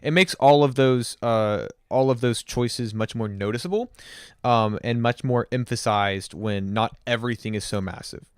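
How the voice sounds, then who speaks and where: A man talking through a casual music review on stream, mid-pitched and rambling, full of fillers and restarts. His voice is smooth and clear, recorded close and dry with no room sound. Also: moderate pace, no room sound.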